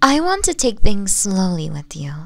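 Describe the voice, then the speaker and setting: A woman playing a doting, possessive fox woman in an intimate ASMR roleplay, soft and breathy, often whispering tender endearments. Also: mid-range voice, big pitch swings, dry recording. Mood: affectionate, soothing. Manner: slow, tender, coaxing endearments. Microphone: close, dry microphone.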